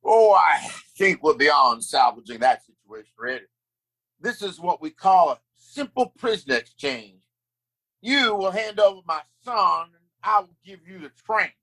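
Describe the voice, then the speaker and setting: A smug frontier town boss, acted by a man, with a high male voice. He is a theatrical, mock-polite villain in a Western audio drama. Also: expressive, a little slow, bright, forceful tone, full character voice, low-quality recording. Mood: menacing. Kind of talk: audio play Western acting.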